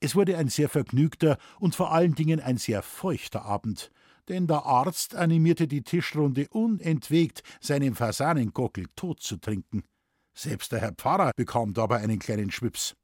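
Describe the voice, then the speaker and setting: A Bavarian-accented man narrating an audiobook at a middling pitch. His voice is husky and recorded dry and close, with a relaxed, wry telling. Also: moderate pace, dry recording. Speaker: audiobook reader.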